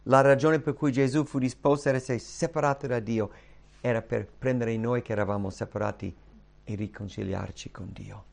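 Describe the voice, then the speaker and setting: A man preaching a sermon, reading scripture and swinging from hushed, quiet passages to loud, emphatic cries. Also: mid-range voice, creaky.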